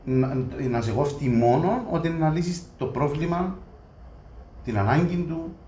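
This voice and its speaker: A man's voice: on the high side, expressive, dark tone. A man with a Greek Cypriot accent in casual, colloquial discussion, explaining his views conversationally. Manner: colloquial, acts out imagined customer dialogue. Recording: echoey room, muffled, faint noise.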